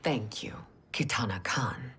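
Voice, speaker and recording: A woman's voice: a bass voice, measured pace, in a whisper, exaggerated voice. An actress voicing a cold, scheming queen mother in a game cutscene, speaking in a haughty, commanding manner. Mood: regal. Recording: game cutscene with loud score.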